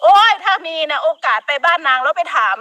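A woman's voice: very high voice, expressive, brisk, bright, forceful tone, dry recording. A middle-aged woman with a Northeastern Thai Isan accent, ranting emphatically during a casual live stream. She scolds and laughs often.

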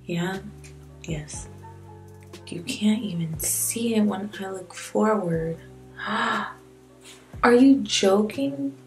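Over soft background music, a woman in her twenties talks extremely slowly, with long pauses, in a mid-range, slightly mellow voice. She's a beauty vlogger doing an easygoing makeup tutorial in a small indoor room with a plain wall, rambling candidly and mocking herself wryly.

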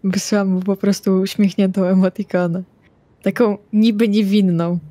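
A woman's voice: mid-range voice, level tone, moderate pace, dark tone, no room sound. A woman playing a tabletop roleplaying game, chatting casually in and out of character.

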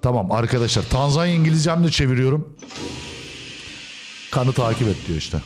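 A man hosts a gaming video with casual, joking commentary and talks back at the characters on screen. His pitch leaps around animatedly as he swings between loud outbursts and low mutters. Faint game music sits in the background. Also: lively intonation, brisk. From Turkey.

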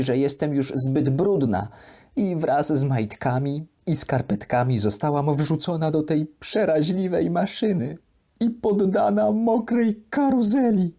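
In a low-pitched voice, a woman plays a sweet, naive plush duck reading from her diary in a children's bedtime audio story. Her delivery is expressive and deliberate.

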